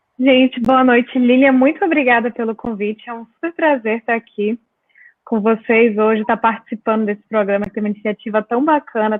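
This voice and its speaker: A woman speaks at a fairly quick pace. Her voice is high, with ordinary pitch variation. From Manaus, northern Brazil. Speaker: screenwriter. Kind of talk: online live interview.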